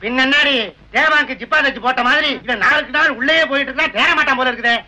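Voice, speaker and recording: A man trading quick jokes in old film comedy dialogue, sometimes breaking into mock chants. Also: extremely high pitch, bright, forceful tone, slight background noise, low-quality recording. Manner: fast joking banter, mock chanting. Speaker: comic lover posing as fortune teller.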